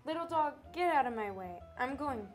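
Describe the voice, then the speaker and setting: A snooty, self-important lady in a children's puppet show, played by a woman. She is haughty and bossy, her voice a little high. Faint music sits behind. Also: lively intonation, moderate pace.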